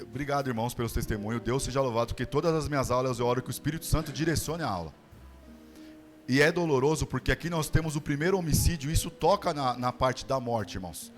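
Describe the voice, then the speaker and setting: A man with a Brazilian Portuguese accent teaches a Bible school class, speaking directly and encouragingly to the congregation. Clear instrumental music runs under his voice in the church hall. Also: mid-range voice. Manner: warm encouraging address to the congregation.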